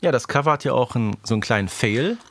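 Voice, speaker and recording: A man's voice: mid-range voice, expressive, fast talker. A man co-hosting a fan podcast in casual chat, explaining details. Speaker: podcast host.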